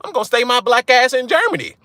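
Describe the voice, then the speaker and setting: Young man, blunt rant-style host, bright edge, dry close mic. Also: very high voice, big pitch swings, fast talker, dry recording. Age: young adult. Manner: blunt, profane, repeats "right?" for emphasis. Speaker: channel host. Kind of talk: casual monologue to viewers.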